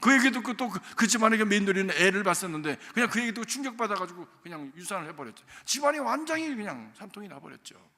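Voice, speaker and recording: Bright-voiced Korean pastor preaching in a hall. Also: male voice, high voice, big pitch swings, quick pace, few pauses. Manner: conversational, swings between loud emphasis and soft near-whispered asides. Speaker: senior pastor. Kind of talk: storytelling sermon. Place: church sanctuary. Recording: reverberant church sanctuary.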